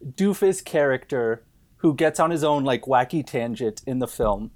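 A man talking casually about films as a podcast guest, rambling and halting in an amused way. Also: medium pitch, lively intonation, darkish tone. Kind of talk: casual film chat.

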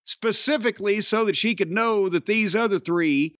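A man's voice: sits high, moderate pace, a bit bright, no echo. An older man with a Southern American accent hosting a podcast, rambling, profane and sarcastic in casual chat and a comic ad read. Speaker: podcast host. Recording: dry, slightly dull audio.

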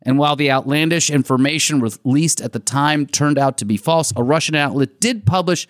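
A man's voice: a little high, brisk, no echo, studio quality. A man hosting a podcast, chatting casually and recapping news stories with frequent laughs and restarts. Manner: animated, laughs often, trailing restarts. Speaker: podcast host.

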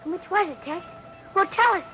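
A young performer playing an eager, wide-eyed cowboy boy, earnest and excitable, in 1950s radio drama style. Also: extremely high pitch, moderate pace, full character voice. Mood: anxious. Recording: muffled old radio recording, faint noise.

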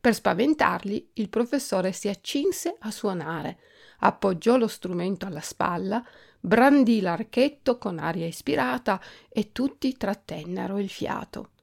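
Gravelly-voiced woman reading a story aloud. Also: medium pitch, measured pace. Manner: expressive, animated reading. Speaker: podcast host reading aloud.

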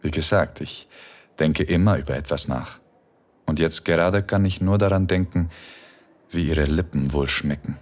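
A deep, husky, commanding professor. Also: male voice. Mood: seductive. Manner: slow, measured, quietly commanding. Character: commanding male philosophy professor, calm and seductive. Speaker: philosophy professor tutoring Spanish. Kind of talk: erotic audio drama acting.

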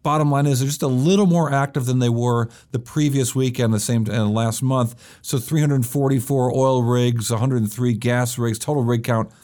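A man hosting a business news podcast, explaining stock and economic stories briskly with occasional fillers. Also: medium pitch, fairly even intonation, a little mellow. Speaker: podcast host.

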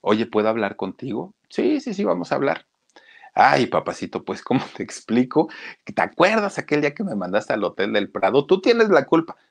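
A man's voice: mid-range voice, big pitch swings, normal speed, vocal fry, pitched above the performer's own voice. A man voicing a brash sixteen-year-old boy with a Mexican accent, talking in an eager, pleading, dramatic way. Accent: Mexican Spanish.

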